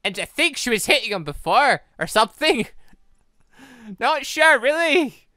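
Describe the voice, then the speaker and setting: A man hosting a gaming playthrough with casual, reactive, animated commentary. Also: extremely high pitch, unhurried, no echo, studio quality. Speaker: gaming channel host. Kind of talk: casual let's play commentary.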